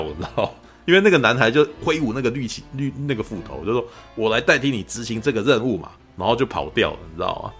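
Podcast host, male, lowish voice, rapid animated storytelling. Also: breathy edge. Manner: animated storyteller, keeps asking "you know?". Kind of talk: casual film review chat.

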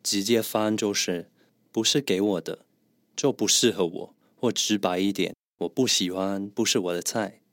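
A man co-hosting a podcast as a German teacher, calmly and methodically explaining pronunciation. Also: lowish voice, normal speed, no echo, clean studio sound. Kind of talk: podcast language lesson.

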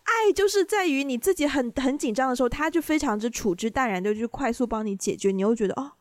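A young woman co-hosting a casual podcast, reflective and quick with short acknowledgements. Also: high-pitched, animated. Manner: thoughtful, frequent short backchannels. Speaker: podcast co-host. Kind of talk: casual chat.

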